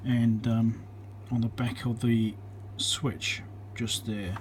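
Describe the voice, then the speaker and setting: An electronics repair presenter talking casually as he works at his home workbench, thinking aloud with frequent ums and pauses. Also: fairly low pitch, level tone, noisy background. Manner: thinks aloud with many ums, counts into the mic.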